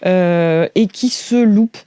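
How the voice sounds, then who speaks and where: A woman's voice: on the low side, slow, warm tone, smooth. A woman running an improvised tabletop game, narrating casually and hesitantly as she thinks aloud. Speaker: game master.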